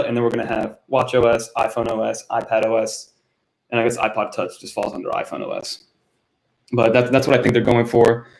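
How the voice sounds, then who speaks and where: A man's voice: medium pitch, vocal fry, poor audio. A young man from Miami hosting his first live stream, chatting casually and answering viewers by name, recorded on a built-in camera mic in a cluttered home room. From United States (Miami, Florida).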